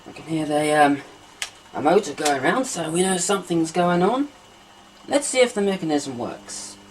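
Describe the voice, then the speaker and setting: A woman calmly explaining step by step as she unpacks and tests old equipment at home. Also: low voice, moderate pace, rough recording. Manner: calm step-by-step explaining while handling equipment. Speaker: hobbyist vlogger. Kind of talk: casual demonstration narration. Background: faint machine hum.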